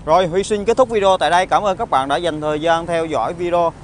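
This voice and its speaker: Southern vietnamese guy doing used car salesman walkaround, slightly high voice, lots of ums, bit of outdoor noise. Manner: used car salesman pitch, halting with frequent hesitations and tag words. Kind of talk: informal sales walkaround video. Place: outdoor car lot, partly inside a car. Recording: outdoor phone recording with traffic ambience.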